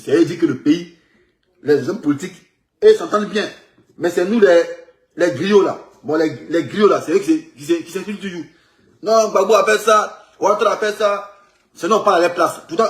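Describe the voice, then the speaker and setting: A man comments on a picture in an animated, rambling flow, stumbling over words and repeating himself. His voice sits a little high for a man. The room around him is echoey. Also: brisk. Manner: animated, repetitive, stumbling restarts. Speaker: political commentator.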